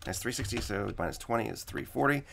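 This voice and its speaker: A man with a slightly raspy voice teaching coding in a screen-recorded tutorial, explaining each step and repeating the key points. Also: medium pitch, lively intonation, fast talker, faint music behind.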